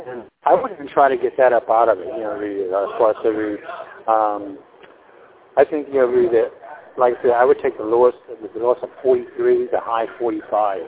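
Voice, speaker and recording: Rambling older man on a phone line. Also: medium pitch. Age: 60s. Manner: rambling, halting with many fillers and restarts. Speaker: home seller on a phone call. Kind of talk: casual phone conversation. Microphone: telephone.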